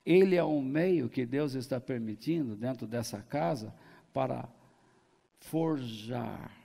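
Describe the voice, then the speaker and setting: A man's voice: medium pitch, takes it slowly, creaky, mellow. A man preaching a sermon as pastor, in a folksy way, joking and acting out the people he quotes. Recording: long hall reverb.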